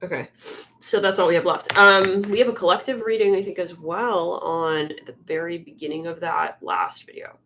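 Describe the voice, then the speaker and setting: A woman's voice: fairly low pitch, normal speed, a bit bright, a little hiss or hum. A young woman hosting a live tarot stream, chatting casually with lots of fillers, her voice a little congested. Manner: rambling, filler-heavy, chatty, often murmurs to herself.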